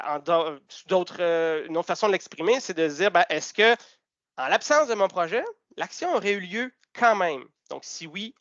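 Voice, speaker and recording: A man's voice: fairly high pitch, a bit bright, dry recording. Man, Québécois French accent, presenting a webinar with frequent fillers; dry, muffled video-call sound. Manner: explanatory, with frequent fillers and restarts.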